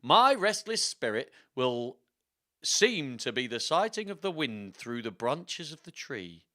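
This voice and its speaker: A dead king's ghost, acted out by a man, tells his storybook tale in the first person. The delivery is slow and theatrical in a put-on rustic accent, with a bright, forceful tone and broad swings of intonation. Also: medium pitch, very animated. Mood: brooding, wistful. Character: dead King Richard the third, dramatic rustic storytelling ghost.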